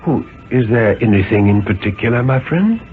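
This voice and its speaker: A man voicing a gentle, white-haired old bookshop proprietor with a quiet, sympathetic, hesitant way of speaking, in a radio story reading. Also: medium pitch, very animated, moderate pace, narrow, tinny audio, natural voice. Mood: kindly, knowing. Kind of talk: 1950s radio dramatic reading. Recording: thin, band-limited 1950s radio recording with music.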